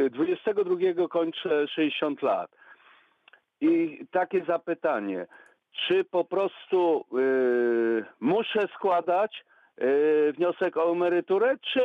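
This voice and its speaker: The man has a high pitch and speaks at a very slow pace. His loudness stays very even. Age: 50s. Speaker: bus driver, caller. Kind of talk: call-in question.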